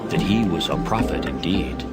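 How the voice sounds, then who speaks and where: A man reading scripted scripture narration in a measured storytelling manner for a dramatized Bible recording. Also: low voice, lively intonation, loud music behind the voice.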